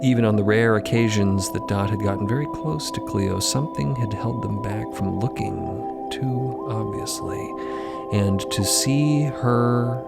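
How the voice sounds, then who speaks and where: Slow, gravelly man narrating over prominent music. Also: on the low side. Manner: hushed, halting, deliberate phrasing. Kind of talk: dramatic scripted audio-fiction narration. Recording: prominent music bed under the voice.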